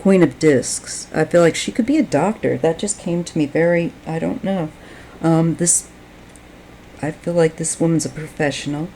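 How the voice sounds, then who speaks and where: A woman giving a tarot reading, speaking in a slow, halting, reflective way while she is losing her voice. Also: low-pitched, mellow, a little hiss or hum. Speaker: tarot reader.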